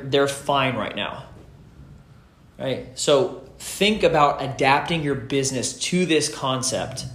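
A man's voice: mid-range voice, a bit bright. A man giving earnest, informal motivational advice to peers, emphatic and repeating his key phrases. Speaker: gym owner and fitness business host. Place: home gym outside, under a roof in a rainstorm. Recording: echoey room, rain noise on roof. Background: rain on the roof, storm.

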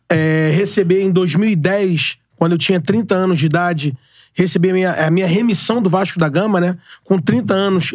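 High-voiced earnest man in his forties. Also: no echo, studio quality. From Brazil. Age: 40s. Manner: earnest, repeats himself, speaks in slogans. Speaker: guest, club presidential candidate. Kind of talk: podcast interview.

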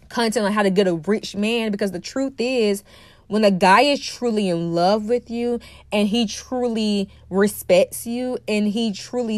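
On her own podcast, a dating coach lectures with emphasis, circling back to her key phrases, her voice stuffy from a cold. She speaks at medium pitch, and there's no echo in this opinionated solo monologue.

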